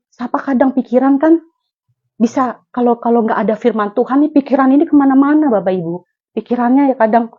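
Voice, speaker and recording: A woman's voice: on the high side, mellow. Earnest woman sharing her testimony. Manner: earnest, candid, conversational. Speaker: church member giving testimony. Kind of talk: personal testimony at home Bible study. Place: home gathering room. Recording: dull lo-fi recording.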